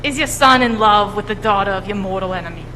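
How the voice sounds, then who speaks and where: An actress playing a brisk legal-aid pitchwoman in a mock TV commercial, delivered in an upbeat sales tone on a school auditorium stage. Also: sharp tone, lightly acted. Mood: salesy. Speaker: stage actor. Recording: echoey auditorium, faint noise.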